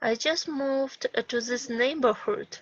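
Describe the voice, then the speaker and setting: Woman from kyrgyzstan reading a dialogue slow and unsure, higher voice, dry muffled call sound. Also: dry recording. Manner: halting, hesitant learner. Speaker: English student. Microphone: video call. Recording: dull dry video call audio.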